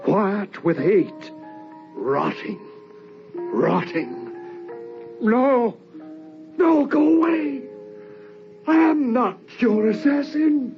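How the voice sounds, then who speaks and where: Casting: a frightened man shrieking pleas, very high and very slow, vintage radio. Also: expressive, creaky, full character voice. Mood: terrified. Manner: high strained pleading. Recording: dull old radio recording with music.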